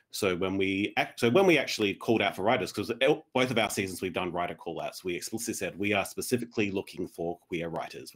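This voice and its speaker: A man's voice: deep voice, fairly bright tone. A man explaining things as a podcast writer on a video-call panel. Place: indoor room at home, video call.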